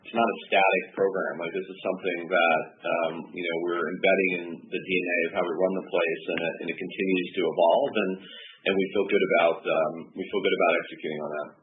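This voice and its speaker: A deep-voiced man who talks quickly, a finance executive on an earnings call. He is brisk and often restarts his phrases. The sound is thin and tinny, like a phone line, with a faint hiss. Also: little pitch movement.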